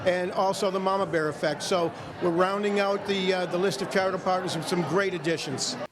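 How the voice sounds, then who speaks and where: A man interviewed at a gala as an organizer, talking quickly and eagerly with some restarts. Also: high voice, fairly even intonation, a crowd in the background, noisy background. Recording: busy crowded event.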